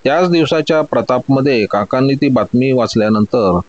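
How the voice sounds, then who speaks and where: A man narrating a story in a steady, measured scripted delivery. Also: mid-range voice, no echo, lo-fi sound.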